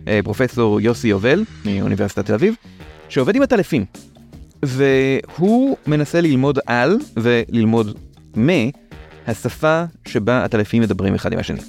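A man's voice: mid-range voice, very animated, gravelly, a little mellow, soft background music. A man with an Israeli accent explaining things in a conversational way as a show's host, with playful questions and asides. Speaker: host of a science explainer show.

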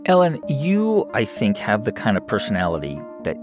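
A man's voice: lowish voice, wildly swooping pitch, moderate pace, music in the background. A man hosting an interview, recapping the guest's story and asking curious follow-up questions. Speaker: interview host. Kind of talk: conversational interview.

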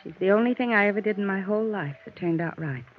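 A woman's voice: mid-range voice, animated, quick pace, close to an everyday voice. An actress playing a weary, guarded young mother in a 1950s radio drama, speaking in a tired, evasive way. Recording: dull old radio broadcast with faint hiss.

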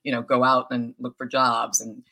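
A woman's voice: extremely low pitch, level tone, normal speed, gravelly, bright, forceful tone. A woman, an actress and founder, answering interview questions in a chatty way with many hesitations. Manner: chatty, many ums, laughs easily.

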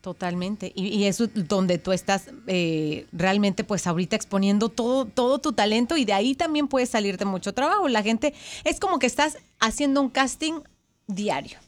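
A woman's voice: medium pitch, moderate pace. A woman hosting a casual interview, playful and joking. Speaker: interview host.

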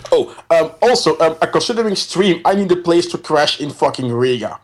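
A man's voice: fairly high pitch, lively intonation, brisk. A man co-hosting a casual radio show, full of stammered restarts and easy laughter. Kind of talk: casual chat.

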